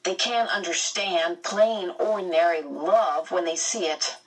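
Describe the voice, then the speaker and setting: A gentle teenage boy in a storybook, speaking in a slow, reassuring way, as a woman reader gives him voice. Her voice is slightly husky and sits away from the mic. Water sounds drift in faintly. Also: on the low side, far from the mic.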